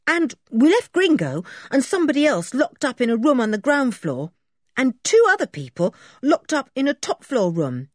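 A woman voicing an eager schoolboy who talks in a bright, lively way. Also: sits high, moderate pace, no echo, studio quality, pitched above the performer's own voice. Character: eager schoolboy, cheerful and chatty.

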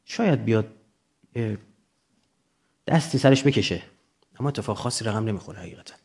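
A man's voice: on the low side, lively intonation, creaky, a little mellow, husky. A man with an Iranian Persian accent lecturing informally and emphatically, explaining through examples and rhetorical questions.

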